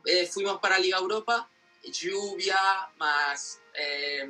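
A man in his twenties from Spain with a Spanish accent, a native Spanish speaker giving casual, halting interview answers as he searches for words. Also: sits high, sharp tone. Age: 20s. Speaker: interview guest, football fan. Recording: distant mic with faint music behind.

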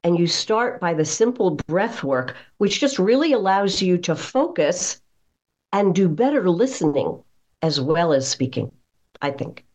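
A woman's voice: lowish voice, very animated, measured pace, darkish tone. A woman speaking as a voice coach in an interview, explaining in an instructive way with emphasis on key phrases. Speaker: voice coach, guest. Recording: slightly dull, muffled audio.

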